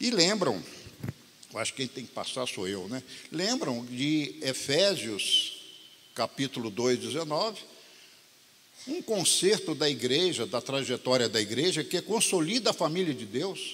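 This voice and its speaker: A man with a Minas Gerais accent speaks at a fairly slow pace and fairly high pitch, making very wide pitch swings. Long, frequent pauses break his speech over noticeable background noise. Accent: Minas Gerais Brazilian Portuguese. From Brazil, Minas Gerais. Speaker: rabbi / messianic preacher. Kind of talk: lecture.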